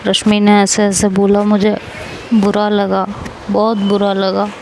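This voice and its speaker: A woman's voice: mid-range voice, monotone, a little slow, a little mellow, slight background noise, natural voice, rough recording. Woman doing a hurt, pleading young woman.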